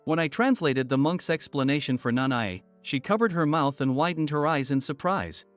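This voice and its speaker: A man narrating a first-person story in a steady, even storytelling manner. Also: fairly high pitch, normal speed. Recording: soft music bed under voice.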